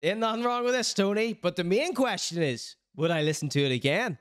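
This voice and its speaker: High-voiced streamer hyping. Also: male voice, lively intonation, brisk, a bit bright, smooth. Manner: playful hype-man banter, mock-serious critique. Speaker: streamer reacting to a music video. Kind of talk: live-stream commentary. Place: indoor streaming room.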